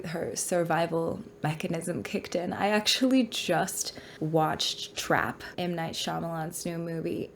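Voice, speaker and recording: A woman's voice: fairly low pitch, a little hiss or hum. A woman with a stuffy voice from a cold, chatting frankly to viewers about a true crime case. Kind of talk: casual talk to camera.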